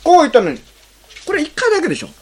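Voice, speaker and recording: A pastor preaching in an easy, conversational way, putting question after question to the listeners. The pitch rises and falls widely from phrase to phrase, and short quoted lines are acted out in changing tones. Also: huge pitch swings, rapid-fire. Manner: conversational, poses rhetorical questions to the congregation. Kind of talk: sermon.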